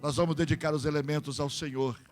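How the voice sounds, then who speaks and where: A man's voice: on the high side, quick pace. A man with a Brazilian Portuguese accent preaching a sermon at a church service. He acts out little dialogues among church members and often tags his sentences with a questioning "hã?". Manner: animated preaching, acting out congregation dialogue. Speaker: pastor. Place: church service with live music. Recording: church sermon over guitar music.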